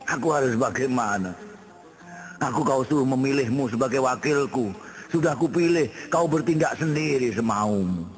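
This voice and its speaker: A man giving a dramatic poetry recitation in a measured, emphatic delivery full of rhetorical questions. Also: mid-range voice. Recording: long hall reverb.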